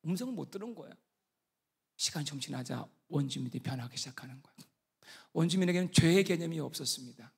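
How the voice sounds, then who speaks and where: Animated gravelly-voiced male pastor preaching. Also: on the high side, quick pace. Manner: animated storytelling, acting out an angry missionary. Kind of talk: sermon. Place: church sanctuary. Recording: long reverb of a large church hall.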